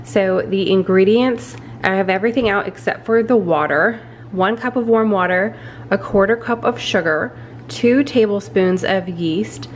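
A woman's voice: mid-range voice, slight background noise. A woman casually talking through a bread recipe in her home kitchen, chatty and a little self-deprecating. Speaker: vlogger. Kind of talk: casual cooking walkthrough.

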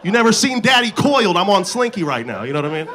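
A man's voice: high voice, very animated, fast talker, fairly bright tone, a little hiss or hum. A man in his thirties doing a loose, profane stand-up set on a club stage, holding a handheld mic, with the crowd laughing. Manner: loose, profane, slangy storytelling. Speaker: stand-up comedian. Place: comedy club stage before a live audience. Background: audience laughter.

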